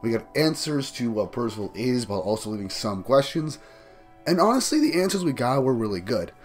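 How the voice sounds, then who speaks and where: A man's voice: medium pitch, sing-song, brisk, soft background music. A man with a cold, sounding a little groggy, giving an enthusiastic, rambling casual review of a manga chapter. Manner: enthusiastic, rambling recap with restarts.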